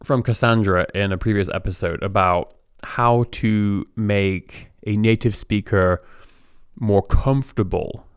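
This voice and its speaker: Low-voiced man, reflective podcast host. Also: fairly even intonation, measured pace, smooth, no room sound, studio quality. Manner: reflective, chatty, lots of fillers and self-corrections. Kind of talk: relaxed podcast monologue.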